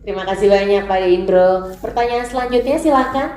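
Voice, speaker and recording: A woman moderating a press conference, brisk and polite, a bit off the mic in an echoey hall. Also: mid-range voice, a little mellow.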